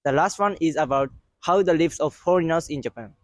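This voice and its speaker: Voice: medium pitch, brisk, no echo. A channel host interviewing passersby, asking short direct questions and reading an intro. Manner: short prompting questions, plain delivery.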